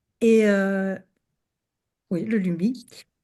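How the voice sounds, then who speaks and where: A woman's medium-pitched voice with ordinary pitch variation, against a quiet background. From Belgium. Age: 60s. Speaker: psychologist. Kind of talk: testimonial interview answer.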